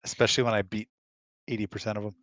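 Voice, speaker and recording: A man's voice: lowish voice, little pitch movement, racing, a bit bright, no room sound. A man chatting casually as a guest and answering questions in a laconic, dry-humored way. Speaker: guest, host's husband.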